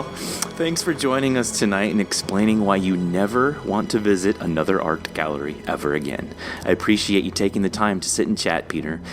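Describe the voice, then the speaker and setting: A man hosting a podcast interview in a casual, joking, enthusiastic way, with some easy swearing. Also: low voice. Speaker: podcast host interviewing a guest.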